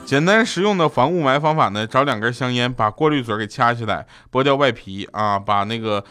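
A man hosting a comedy show, delivering jokes and short anecdotes in a playful, quick style with pauses before punchlines. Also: medium pitch, animated. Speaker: radio comedy host. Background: background music.

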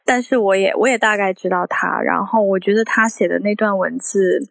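A woman's voice: medium pitch, fairly even intonation, a little fast, creaky, no echo. A woman co-hosting a casual podcast, talking in a thoughtful, somewhat hesitant conversational way. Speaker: podcast co-host.

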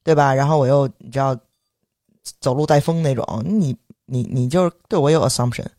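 A man's voice: mid-range voice, no room sound, studio quality. A young man, heavy erhua, telling a story in casual podcast chat. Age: young adult. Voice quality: heavy erhua, quick lively delivery. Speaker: podcast co-host.

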